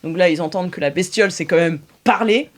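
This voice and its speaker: A woman's voice: fairly low pitch, quick pace. A woman narrating an improvised tabletop game as game master, chatty and hesitant, full of fillers.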